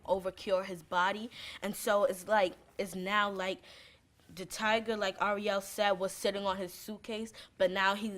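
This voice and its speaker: A woman's voice: on the low side, fairly bright tone. A female student sharing her ideas in class in an earnest way. She often stops and restarts as she works out her thought. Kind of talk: classroom discussion.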